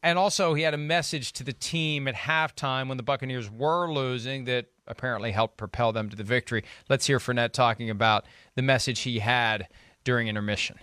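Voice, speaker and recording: A man with an American accent hosts a sports discussion show. His voice is mid-pitched and bright, with a forceful edge, recorded very dry as he lays out commentary. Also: brisk, clean tone, no room sound. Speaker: sports talk show host.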